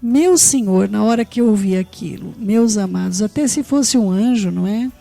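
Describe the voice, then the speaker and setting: Mellow-voiced Brazilian woman preaching earnestly. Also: medium pitch, normal speed, creaky, soft background music. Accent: Brazilian Portuguese. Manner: earnest, tags phrases with rhetorical questions, addresses listeners fondly. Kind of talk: sermon.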